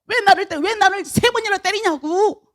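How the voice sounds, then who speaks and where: Brief: a very high, squealing talking donkey, indignant and whinnying in protest, put on by a woman preacher. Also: moderate pace, fairly bright tone.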